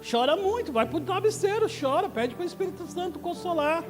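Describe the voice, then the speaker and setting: A male pastor delivers a sermon in a strikingly high voice, dropping to hushed, tender storytelling and then rising to loud, shouted exhortation. His words ring out with a long reverb through a church hall, and faint music plays underneath. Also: expressive, a little fast.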